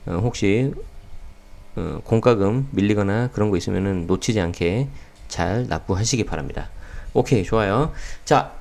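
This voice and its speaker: A man hosting a daily real estate news talk, slightly hoarse, speaking casually with many fillers. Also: lowish voice. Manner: relaxed, many fillers, talks straight to viewers. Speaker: real estate channel host.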